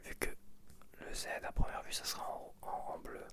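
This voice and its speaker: A man's voice: normal speed, fairly bright tone. A man whispering an ASMR video, thinking aloud casually in short, hesitant phrases. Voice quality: whispered, unvoiced. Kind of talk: ASMR, casual chat while sorting sticker packets.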